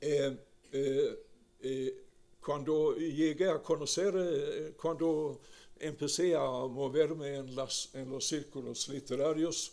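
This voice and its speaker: A man with a Swedish accent, fairly high in pitch, with a dark, mellow tone and monotone, flat intonation at a very slow pace. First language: Swedish (speaking Spanish). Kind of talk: interview. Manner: halting.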